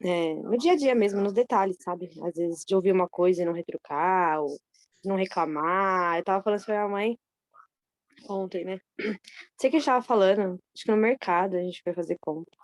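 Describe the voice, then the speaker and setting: A woman's voice: medium pitch, a little fast, no echo. A woman sharing a personal testimony in a study group over a video call, talking hesitantly and often correcting herself. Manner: hesitant, self-correcting, candid.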